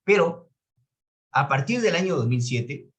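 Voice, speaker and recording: A man's voice: on the high side, lively intonation, unhurried. A man with a Peruvian Spanish accent teaching a class in a didactic way, stressing key words and checking that students follow. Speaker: course instructor. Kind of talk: online lecture on public administration.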